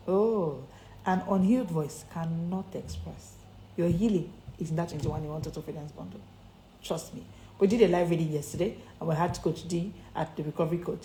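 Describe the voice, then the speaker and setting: A woman's voice: fairly low pitch, darkish tone. A woman with a Nigerian accent giving a motivational coaching talk to online followers, speaking emphatically and repeating key phrases like a preacher. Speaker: confidence and public speaking coach. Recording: echoey room with faint background noise.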